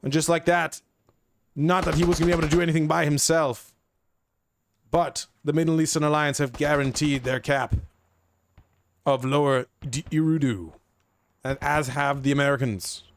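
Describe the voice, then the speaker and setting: A man doing an excited, put-on British accent as a theatrical play-by-play caster for a tactical shooter match. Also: fairly high pitch, moderate pace, pauses often, close to an everyday voice. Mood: hyped. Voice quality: hammy, theatrical hype delivery. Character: excitable male British-style game caster. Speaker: gameplay commentator.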